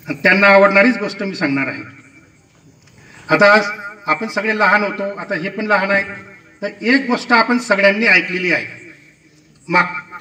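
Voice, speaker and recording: High, sharp-voiced man telling a folk tale. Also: distant mic, low-quality recording. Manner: lively folk storytelling, addressing the crowd. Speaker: campaign speaker. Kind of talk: storytelling in a campaign speech. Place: outdoor village rally.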